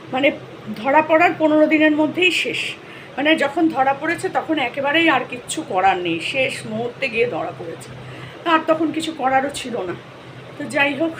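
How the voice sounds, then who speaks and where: An older woman narrating her vlog in a chatty, rambling, soft-spoken voice-over. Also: high voice. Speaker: vlogger. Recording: noticeable background noise.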